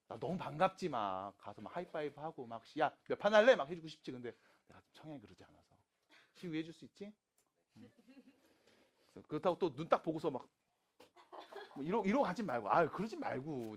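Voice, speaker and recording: A man teaching math to high school students in a classroom, casual and teasing, switching between polite and plain speech. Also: big pitch swings, fast, long pauses, breathy edge. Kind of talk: classroom lecture.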